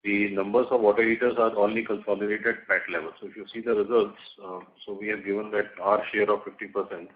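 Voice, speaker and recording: A man's voice: on the low side, level tone, fast, hardly any pauses. A man speaking as a company executive, carefully and a little hesitantly answering financial questions on a call. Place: telephone conference call. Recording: narrowband phone line with faint noise.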